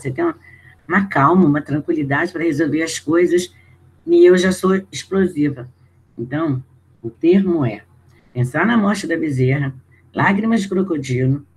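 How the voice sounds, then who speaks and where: A man with a Brazilian Portuguese accent teaching an online video lesson. He talks in a conversational way, reads exercise prompts aloud, thinks out loud and keeps checking in with his students. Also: on the high side, slightly rough, poor audio. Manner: conversational, checking in with students through tag questions.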